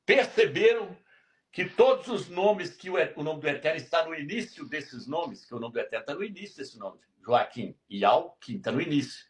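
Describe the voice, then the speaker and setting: Emphatic preacher, slightly high voice. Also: male voice, expressive, normal speed. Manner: emphatic, repetitive, keeps asking "tá vendo?". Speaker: religious teacher. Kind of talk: live-stream Bible teaching.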